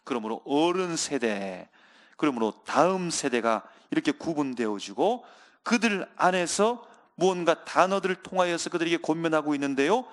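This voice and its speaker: A male pastor preaches a sermon earnestly, often calling out to the congregation and slowing down for emphasis. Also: on the high side, lively intonation.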